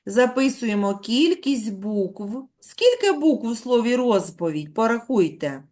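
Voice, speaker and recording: A middle-aged woman teaching a primary school class, dictating slowly and patiently to young children. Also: on the high side, animated, darkish tone. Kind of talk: classroom lesson.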